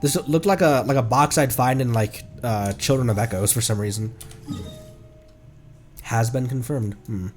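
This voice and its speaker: A young man streaming a game in casual chat, congested and stuffed up, rambling with many ums and breaking into sudden excited outbursts. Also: mid-range voice, moderate pace, faint music behind.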